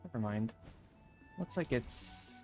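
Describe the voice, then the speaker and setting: Gaming streamer, male, mid-pitched with animated intonation, casual offhand remarks to himself over soft game music. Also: slow. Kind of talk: casual let's play commentary.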